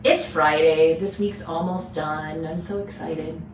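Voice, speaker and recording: A woman's voice: low voice, fairly even intonation, measured pace. A woman co-hosting a casual chat show, chatty and teasing, laughing easily. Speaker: co-host, real estate agent. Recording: echoey room, mic at a distance, faint hiss.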